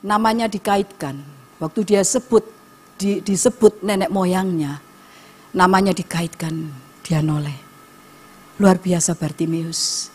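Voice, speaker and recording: A woman, preaching a sermon in church, swinging between loud urging and soft storytelling. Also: fairly low pitch, fairly even intonation, slow, pauses often, breathy edge. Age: 50s. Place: church sanctuary.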